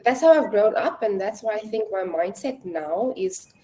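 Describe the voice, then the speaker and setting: South African woman, 20s, warm mellow tone, relaxed talkative interview guest. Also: mid-range voice, moderate pace. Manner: chatty, laughs easily, many fillers. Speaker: guest, language tutor. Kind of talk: casual conversational interview.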